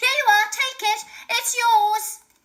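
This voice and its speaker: This put-on character voice is squeaky and extremely high-pitched. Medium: read story. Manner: slow.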